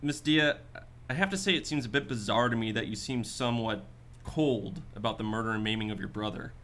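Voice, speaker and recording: A man's voice: on the low side, brisk, a bit bright, close to an everyday voice. A man playing a skeptical, businesslike detective in a radio drama, asking clipped, matter-of-fact questions. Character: hard-boiled male detective, probing, skeptical, businesslike.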